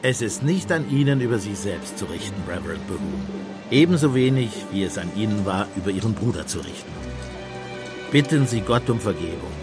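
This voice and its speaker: An actor playing a shrewd, compassionate priest detective in a radio play, speaking in a measured, persuasive pastoral manner. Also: male voice, fairly low pitch, very animated, music in the background. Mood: urgent. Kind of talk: German radio play acting.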